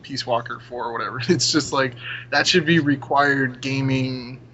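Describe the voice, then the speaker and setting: A man's voice: medium pitch, steady tone, normal speed, a bit bright. A young man in a casual gaming discussion, giving opinions in an emphatic, slangy, informal way. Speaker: podcast panelist. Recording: muffled audio with clear background noise.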